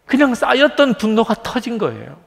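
A man's voice: very high-pitched, huge pitch swings, brisk, vocal fry. A middle-aged man preaching a sermon as a pastor, speaking earnestly to his congregation. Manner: earnest preaching, acts out a child's plaintive voice in quotes. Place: large church sanctuary. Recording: long church hall reverb.

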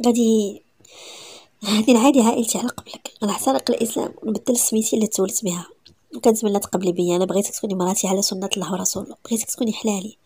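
Whispered role-play, woman doing an earnest young man, Moroccan accent, soft husky tone. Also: medium pitch, steady tone, rapid-fire, hardly any pauses. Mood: tender.

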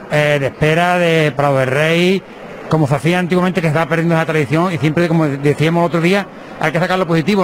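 A middle-aged man, a local TV reporter asking questions quickly and restarting often, holding a handheld mic inside a chapel. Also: a little high, slight background noise. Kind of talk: interview questions. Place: inside a small chapel by the altar.

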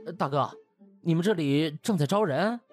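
A man's voice: fairly high pitch, animated, moderate pace, darkish tone, faint music behind, pitched above the performer's own voice, lightly acted. A man voicing a polite, hesitant young man in an audiobook, with stammering speech.

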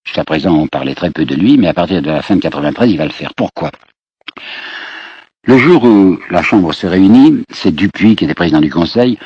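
A man's voice: low-pitched, darkish tone, a little hiss or hum. A man giving a storytelling lecture, digressing and addressing his listeners directly. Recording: dull lo-fi archive recording.

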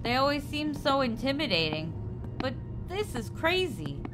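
A woman's voice: high-pitched, sing-song, moderate pace. A woman playing a feisty, sceptical human companion in an audio drama, blunt and questioning. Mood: uneasy. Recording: music behind the voice.

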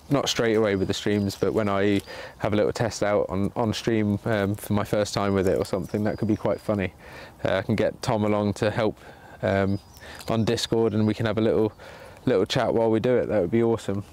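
Out in sunny woods, a bushcraft livestreamer keeps up casual commentary with viewers as he works, the camera aimed down at his hands. His lowish, darkish voice is brisk and fairly even, with few pauses.

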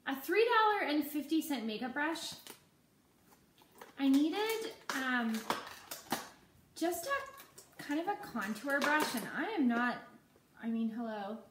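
A woman's voice: high-pitched, sing-song, slow, pauses often. A woman in her thirties, a nail technician, chatting casually and rambling with many ums in a living room, recorded on a camera mic. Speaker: nail technician and salon owner. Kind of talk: casual shopping-haul vlog. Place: living room at home, indoors. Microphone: camera mic at table distance. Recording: echoey room with clear background noise.

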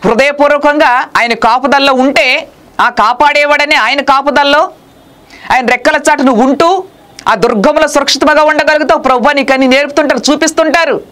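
A woman preaching a sermon and sharing her personal testimony, impassioned, praying aloud and swinging between raised pleading and hushed, low prayer. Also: a little fast. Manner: prays aloud to Jesus mid-sermon.

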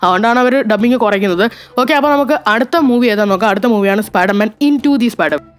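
A woman's voice: mid-range voice, quick pace. A woman from Kerala hosting a casual review vlog about film dubbing, chatting with frequent hesitation fillers and restarts.

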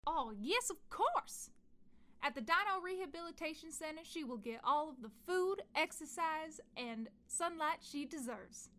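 Woman doing a scheming lady scientist in a comedy audio play, grandiose, really high sharp voice. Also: animated, measured pace, heavily acted. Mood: smooth persuasion. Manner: grandiose, falsely reassuring, blunt. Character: scheming, theatrical female velociraptor scientist villain. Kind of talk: comedic audio drama acting.

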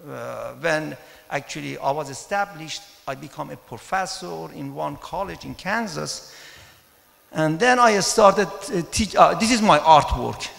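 A middle-aged man from Iran with a Persian accent, giving an informal conference talk in a halting, hesitant way. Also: on the high side, vocal fry, fairly bright tone. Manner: hesitant, halting delivery with frequent pauses. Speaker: mathematics professor and conference speaker. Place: large conference hall, indoors at a podium. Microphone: handheld microphone. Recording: echoey hall with long reverb.

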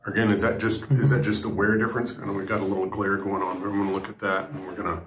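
A man's voice: on the low side, level tone, fast talker. A male show host asking curious, rambling questions from behind the camera in a small backstage room. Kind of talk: interview questions. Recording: roomy room, faint noise.

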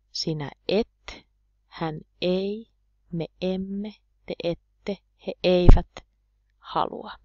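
A woman teaching a slow, clear beginner grammar lesson, drilling each form one by one and sometimes dropping to a whisper. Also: medium pitch, darkish tone, dry recording, dull audio. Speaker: language teacher.

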